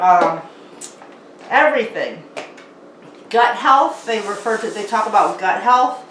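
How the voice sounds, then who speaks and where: Middle-aged woman doing a cooking class, keeps saying okay, mic kinda far off, faint hum behind. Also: medium pitch. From South Korea, raised in the United States. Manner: chatty, keeps checking in with "okay?". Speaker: cooking teacher. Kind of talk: casual cooking lesson to camera. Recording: roomy sound from a distant mic.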